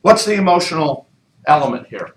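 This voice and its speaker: A man's voice: on the high side, very animated, fairly quick. A man leading a real estate training session, coaching the group with repeated questions. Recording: echoey room, mic far off.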